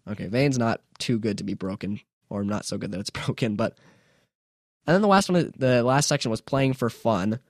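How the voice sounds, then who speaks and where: Young adult male podcast host, casual and rambling, mid-pitched voice, dry close recording. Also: no room sound. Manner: chatty, self-mocking, rambling with restarts. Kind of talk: casual solo podcast talk.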